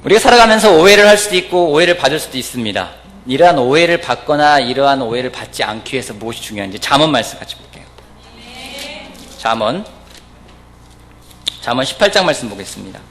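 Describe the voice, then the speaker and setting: A man preaching a weekday church sermon, telling stories and acting out the people he quotes. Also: fast. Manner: storytelling, acting out quoted voices, lively pitch. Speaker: pastor. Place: church service.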